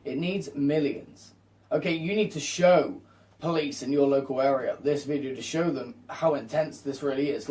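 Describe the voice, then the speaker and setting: A man's voice: mid-range voice, warm tone, recorded from a distance. A man hosting a video with an insistent, repetitive, impassioned unscripted appeal to viewers. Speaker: video host.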